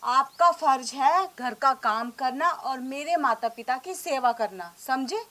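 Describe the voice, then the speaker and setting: A woman's voice: high voice, animated, slow pace, pushed and bright, exaggerated voice. A woman playing a bossy scolding wife. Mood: coaxing. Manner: domineering, scolding. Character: bossy young wife, later a sharp mother-in-law. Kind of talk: comedy skit acting.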